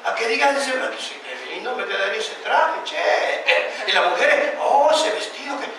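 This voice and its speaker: Impassioned Argentine preacher in an echoey hall. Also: male voice, extremely high pitch, animated, moderate pace, background noise. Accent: Argentine Spanish. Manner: impassioned, addresses listeners as brother, rhetorical questions. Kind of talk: sermon. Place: church hall. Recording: echoey church hall, mic at a distance.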